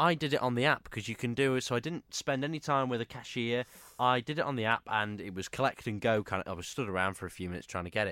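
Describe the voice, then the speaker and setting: Speaking very fast with lively intonation, a man with a Manx accent is captured in a very clean recording with a silent background and a dry, close sound with no echo. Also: medium pitch for a man. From Isle of Man. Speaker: podcast co-host. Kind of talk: casual political chat. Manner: halting, many repeats and fillers.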